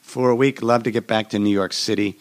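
A hoarse man hosting a solo podcast, explaining in a rambling way with frequent restarts, recorded in a hotel room. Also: on the low side, steady tone, a little fast. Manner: rambling, repeats and restarts words. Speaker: podcast host.

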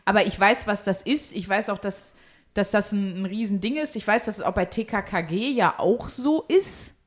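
A woman's voice: medium pitch, moderate pace. A woman co-hosting a podcast in casual banter, playful and jokey in how she talks. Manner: playful, jokey, drops in mock-English phrases. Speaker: podcast host. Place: indoors at a table in a home.

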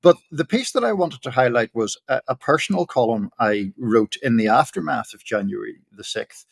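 A man with a Northern Irish accent, a political columnist giving measured, analytical commentary on a panel discussion. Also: medium pitch, animated, gravelly, slightly rough. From Northern Ireland. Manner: measured, analytical, frequent restarts.

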